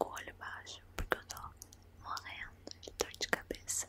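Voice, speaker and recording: A soft-spoken woman whispers in a tired tone, the sound dry with no echo despite loud background noise. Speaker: ASMR creator. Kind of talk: soft ASMR chat to viewer. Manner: soft close-mic whisper, tired. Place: home room. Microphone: studio mic.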